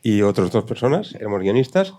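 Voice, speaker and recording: Lowish-voiced man replying on a panel. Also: sing-song, quick pace, dark tone. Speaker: panelist, scriptwriter. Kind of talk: brief conversational replies. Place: live event with audience.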